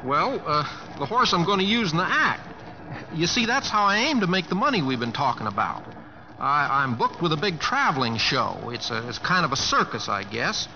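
Casting: earnest, drawling Oklahoma cowboy, rural accent, slightly high and very animated, vintage radio play. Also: male voice, normal speed, vocal fry, full character voice. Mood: sheepish, coaxing. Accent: American, rural Oklahoma. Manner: drawling, folksy, hesitant, homespun grammar. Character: folksy, bashful, earnest Oklahoma cowboy performer and young sweetheart. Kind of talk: old-time American radio drama acting. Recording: dull vintage radio recording, faint music.

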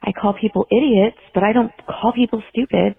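A woman's voice: medium pitch, steady tone, fairly quick, vocal fry, breathy edge. A downcast woman from Temecula, California, leaving a casual voicemail over the phone. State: downcast, in a funk. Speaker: voicemail caller. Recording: tinny, narrow phone voicemail.

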